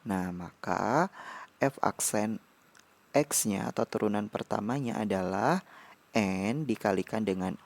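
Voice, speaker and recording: A man explaining algebra derivatives as a tutor, in a measured lecture with pauses between short phrases. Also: on the low side. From Indonesia. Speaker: math tutor.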